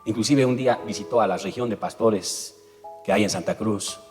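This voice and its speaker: A man's voice: on the low side, normal speed. A man preaching a sermon as pastor, telling stories emphatically and often checking in with his listeners. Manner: emphatic storytelling preacher with frequent tag questions. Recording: echoey hall with faint music.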